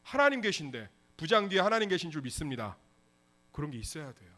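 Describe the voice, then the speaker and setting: A male pastor delivers a lively sermon, often slipping into dramatized dialogue. His voice sits high and bright. He swings widely in pitch as he preaches. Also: fast talker. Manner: animated, acts out dialogues in voices.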